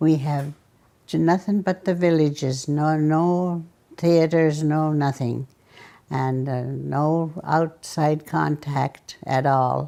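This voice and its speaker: A woman speaks in a very deep, low voice with a dark, mellow tone and fairly even intonation. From Alaska, rural Yup'ik village on the Kuskokwim. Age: 80s+. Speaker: retired elder telling her life story. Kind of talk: personal testimony interview. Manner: halting, with frequent fillers and restarts.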